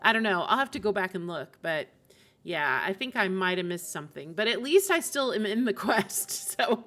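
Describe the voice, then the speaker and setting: Bright-voiced woman streamer chatting casually. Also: medium pitch, big pitch swings, moderate pace. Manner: chatty, often laughs while talking. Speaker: game streamer. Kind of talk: casual live-stream chat.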